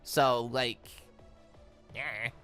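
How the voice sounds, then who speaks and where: A man's voice: medium pitch, fairly even intonation, very slow, fairly bright tone, clear, resonant tone. A man giving casual, reactive let's play commentary on a visual novel, exclaiming and reading game dialogue aloud. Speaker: video game let's player. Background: game music.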